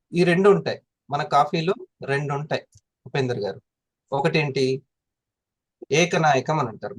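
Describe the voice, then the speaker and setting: A man's voice: fairly high pitch, husky, no room sound. Man teaching, question-driven. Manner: asks the audience questions often. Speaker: presenter explaining health products. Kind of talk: classroom-style explanation.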